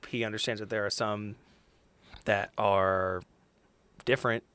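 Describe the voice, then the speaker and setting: A man chatting casually as a player in a tabletop game, with hesitant, halting phrasing. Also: on the low side, fairly even intonation, pushed and bright, clear, resonant tone. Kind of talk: casual chat.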